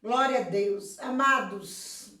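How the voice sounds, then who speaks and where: Hoarse woman pastor preaching slowly. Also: on the high side, pushed and bright. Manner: slow, emphatic preaching with frequent praise interjections. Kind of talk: sermon-style video message. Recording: echoey room, voice from a distance.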